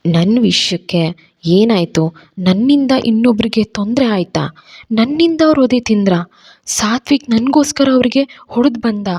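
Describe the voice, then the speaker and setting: A woman's voice: fairly high pitch, animated, normal speed, a little mellow, husky, voice pushed up. A woman voicing a young female college student who earnestly recounts what happened. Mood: anxious.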